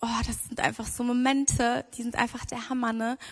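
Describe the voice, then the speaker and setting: A woman speaks in a high pitch at a moderate pace. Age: 20s. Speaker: primary school teacher. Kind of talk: testimony. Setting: church.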